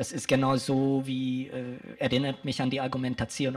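A man at a fairly slow pace. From Rhineland, western Germany. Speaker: political communication expert; guest. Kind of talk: radio interview. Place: bar. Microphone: handheld.

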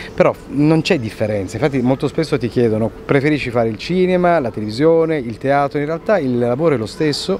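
A man with a fairly high voice talks at a very fast clip with lively intonation, the sound dry and echo-free over light background noise. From Emilia-Romagna, Italy. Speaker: stage actor. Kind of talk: interview. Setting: theatre before a show. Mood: calm, reflective. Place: street. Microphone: handheld.

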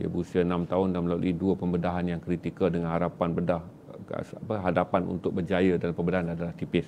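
With a Malaysian accent, a man speaks very fast in a very deep, low pitch, his tone dark and mellow and his intonation monotone and flat, over light background noise. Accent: Malaysian Malay. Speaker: streamer and storyteller; streamer, storyteller. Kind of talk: personal storytelling monologue. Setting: studio. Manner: hesitant with frequent fillers. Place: studio. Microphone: lapel.

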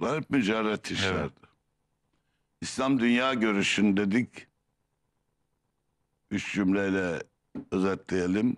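Against a quiet background, a man speaks with a fairly low voice. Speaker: religious talk show host. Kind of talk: lecture. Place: studio. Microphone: lapel.

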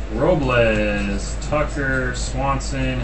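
A man speaks in a monotone, flat intonation with music in the background. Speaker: card break host. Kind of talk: live card break commentary. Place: studio.

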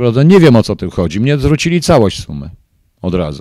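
Dry with no echo and over a quiet background, a man with a dark, mellow tone talks at a very fast pace. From Poland. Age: 60s. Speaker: online political commentator. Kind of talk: livestream monologue answering viewer comments. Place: home room. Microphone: handheld.

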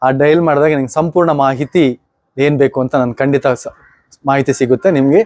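In an ordinary speaking voice, a man talks at a fairly high pitch with fairly even intonation, the sound dry and close with no echo. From Bengaluru Rural, Karnataka. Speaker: dairy farmer and silage producer. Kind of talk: interview.

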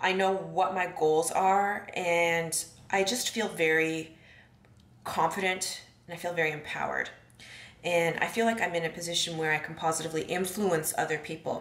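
Here a woman speaks in a normal speaking voice, fairly low in pitch. Her pace is moderate and her intonation fairly even. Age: 30s. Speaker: fitness vlogger and CrossFitter. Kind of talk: vlog narration.

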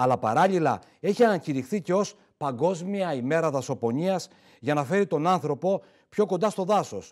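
A man with a high pitch speaks against a quiet background. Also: lively intonation, moderate pace. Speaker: TV presenter. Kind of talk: broadcast show introduction. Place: studio. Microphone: lapel.

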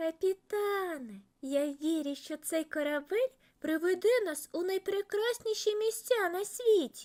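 A put-on character voice is raised and projected. It moves at a fairly slow pace. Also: woman, extremely high pitch for a woman. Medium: read story. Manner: enthusiastic, admiring.

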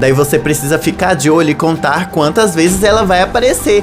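Over clear music in the background, a man speaks at a fairly quick pace in a high pitch with ordinary pitch variation. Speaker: YouTuber. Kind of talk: casual vlog chat. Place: home room. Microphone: studio mic.

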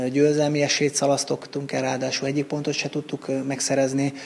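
Amid noticeable background noise, a man with a fairly high pitch speaks at a moderate pace in a monotone, flat intonation. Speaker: football club manager. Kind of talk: interview.

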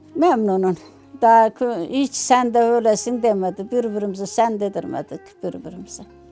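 Faint music sits in the background while a woman with a fairly high pitch speaks at a moderate pace, her pitch varying in an ordinary way. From Burdur, Turkey. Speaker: village wife telling her story. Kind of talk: interview answer. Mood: warm, smiling, reminiscing. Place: home room. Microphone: lapel.

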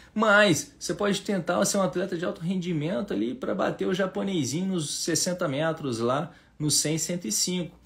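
Pitch variation here is ordinary. The delivery is fairly slow. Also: man, high pitch for a man. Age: 40s. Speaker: running coach. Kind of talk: live Q&A stream. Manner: casual, animated. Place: home room.

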